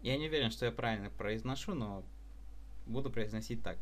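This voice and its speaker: A man's voice: mid-range voice, a little fast, a little hiss or hum. Man casually explaining code with hesitations. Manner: unscripted explaining with many fillers and restarts. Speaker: programming tutor. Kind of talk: screen-recorded coding tutorial.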